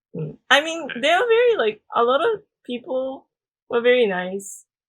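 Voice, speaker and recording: A woman speaks with a Japanese accent at a moderate pace. Her high voice moves through very wide pitch swings. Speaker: office worker. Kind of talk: casual chat.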